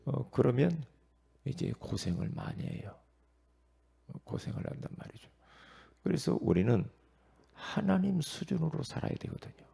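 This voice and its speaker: A man's voice: medium pitch, big pitch swings, moderate pace, vocal fry, long pauses, mellow, breathy edge. A man preaching an early-morning prayer sermon as pastor, asking the congregation questions and repeating his points for emphasis.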